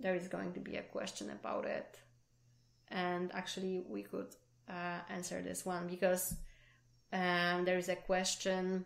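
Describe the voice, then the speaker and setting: Speaking at a fairly slow pace, a woman with a Polish accent uses a medium pitch. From Poland. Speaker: podcast host. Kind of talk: casual chat. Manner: halting.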